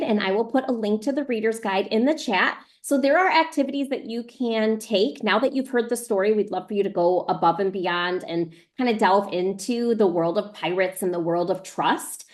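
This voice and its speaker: A woman's voice: mid-range voice, a little mellow. A woman hosting a live virtual author visit, chattily addressing schoolchildren and teachers. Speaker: host of an online book event.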